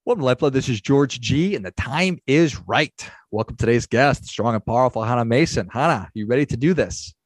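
A man's voice: medium pitch, expressive, brisk, few pauses, no room sound. A man hosting a podcast interview, upbeat and chatty, often repeating words as he thinks. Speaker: podcast host.

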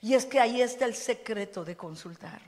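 A woman's voice: fairly high pitch, brisk, a little mellow. A woman pastor preaching a sermon, putting questions to the congregation. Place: church hall. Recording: long reverb of a church hall.

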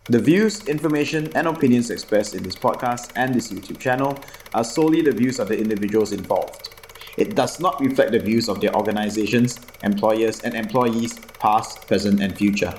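A man's voice: on the low side, normal speed, a little mellow, a little hiss or hum. A man reading a formal scripted podcast disclaimer. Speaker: disclaimer announcer.

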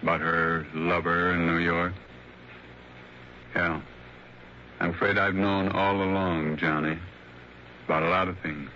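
A man's voice: low-pitched, flat delivery, bright, forceful tone, a little hiss or hum. A resigned old blind man. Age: older. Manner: slow, resigned and sad. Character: older blind man, husband of a young wife. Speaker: Mister Porter. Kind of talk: 1960s radio drama acting. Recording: dull lo-fi vintage radio broadcast.

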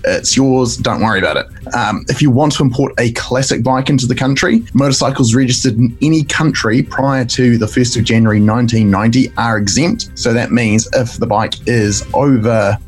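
A man with a croaky, creaky voice after a cough, explaining news conversationally as a podcast co-host. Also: medium pitch. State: recovering from a bad cough.

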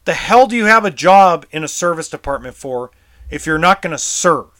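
A man's voice: on the high side, expressive, moderate pace, sharp tone. A tense man ranting in a vlog as an RV service technician, frustrated and heated, swearing and stammering over repeated words. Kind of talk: vlog rant.

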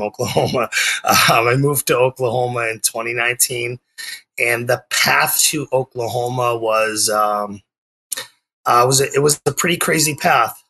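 A man's voice: mid-range voice, pushed and bright, slightly rough. A man in his forties with a Boston-area accent, a life coach chatting as a guest on a remote call, rambling with many ums and restarts. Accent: Boston area, non-rhotic. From Massachusetts, US. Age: 40s. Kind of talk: casual interview chat.

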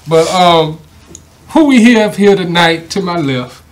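A man's voice: sits high, a little slow. A man hosting a talk show in casual, conversational interview style.

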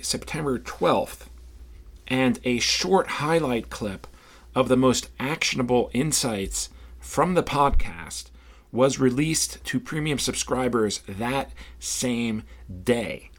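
A man's voice: mid-range voice, expressive, takes it slowly. A man speaking as a podcast host, making announcements and interviewing.

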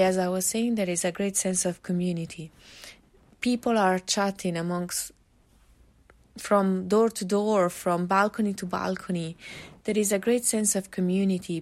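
A woman's voice: medium pitch, a little mellow. A woman with an Italian accent hosting a solo podcast, giving earnest, encouraging advice with frequent fillers and restarts. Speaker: podcast host.

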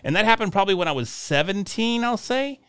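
Animated man in his forties, bright voice. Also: high voice, fast, clean tone, no room sound, clean studio sound. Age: 40s. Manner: animated, laughing storyteller. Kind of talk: casual conversation.

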